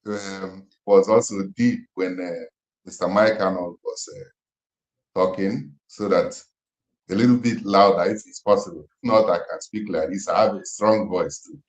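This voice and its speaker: A deep-voiced Nigerian man in his fifties talks over an echoey phone line. He speaks slowly and gravely, leaning on each phrase as if preaching. The call sounds roomy and hollow. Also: fairly even intonation. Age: 50s. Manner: slow, emphatic, grave. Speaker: interviewer on a call. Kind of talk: impassioned questioning, near-sermon.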